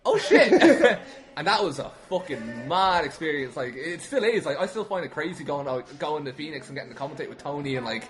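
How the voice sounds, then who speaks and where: Speaking at a rapid clip in a slightly high voice, this young Irish wrestling commentator shares stories as a guest on a podcast. He's lively and pokes fun at himself, dropping casual swear words along the way.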